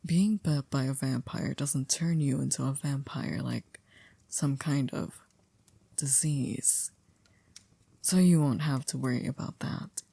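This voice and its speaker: Casting: woman as unflappable formal servant of a vampire house, very low mellow voice, dry ASMR delivery. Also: gravelly, husky, no echo, full character voice. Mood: polite, soothing. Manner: polite, measured, gently wry. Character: composed, formal, dryly teasing female household servant. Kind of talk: ASMR roleplay acting.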